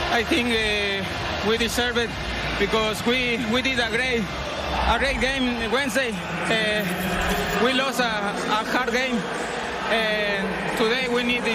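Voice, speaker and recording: A man talks at a fairly slow pace with long, frequent pauses, and loud background noise runs behind him. The sound is dry with no echo. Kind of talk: interview answer. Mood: happy after a win. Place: stadium. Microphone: handheld.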